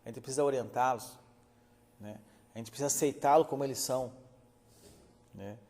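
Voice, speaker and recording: Man, a pastor giving a Bible lesson, earnest and conversational, medium pitch, in a reverberant hall. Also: normal speed, a little mellow. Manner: earnest, addresses listeners as brothers, many filler "né". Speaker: pastor teaching a theology class. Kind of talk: classroom Bible lecture.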